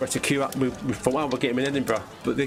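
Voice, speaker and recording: A man speaks at medium pitch. Music plays in the background. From London. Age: 60s. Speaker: plasterer and live stream host. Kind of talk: casual chat. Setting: live stream. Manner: halting, many fillers and restarts.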